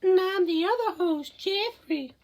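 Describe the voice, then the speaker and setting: Young man doing a squeaky, slow-drawling Wild West cowboy, cheeky co-host. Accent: put-on Wild West drawl.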